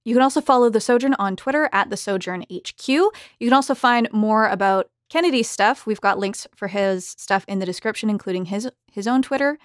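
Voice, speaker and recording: A woman hosts a casual behind-the-scenes podcast, chatting and addressing her listeners. Her pitch is average and the sound is dry, free of room echo. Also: a little fast, hardly any pauses. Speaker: podcast host.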